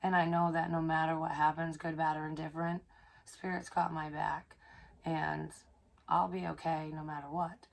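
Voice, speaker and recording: A hoarse young woman, chatting casually in a rambling psychic vlog, swearing freely and filling pauses with ums. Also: low-pitched, little pitch movement. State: hoarse, recovering from illness. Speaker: psychic medium vlogger.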